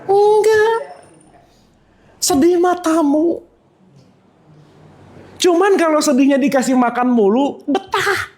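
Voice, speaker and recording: A man's voice: very high-pitched, slow, long pauses. A man giving an informal spiritual lecture to a live audience, quizzing them as he goes. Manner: lively, keeps quizzing the audience. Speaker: religious teacher.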